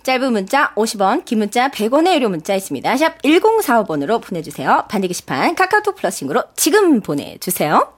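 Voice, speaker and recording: A woman's voice: on the high side, big pitch swings, fast, hardly any pauses. A woman co-hosting a live radio quiz show, bantering as she presents the questions.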